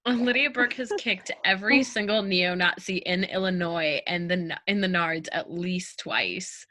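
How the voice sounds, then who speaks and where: A woman's voice: lowish voice, fairly even intonation, moderate pace, sharp tone. A woman playing an opinionated actress trading boastful anecdotes with friends in a comedy sketch, matter-of-fact and punchy.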